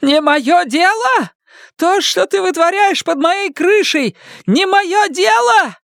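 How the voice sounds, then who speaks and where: A man voicing a furious, sarcastic middle-aged mother who screeches and yells. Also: very high voice, lively intonation, takes it slowly, gravelly, dry recording, studio quality, voice pushed up, heavily acted. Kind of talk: audiobook character reading.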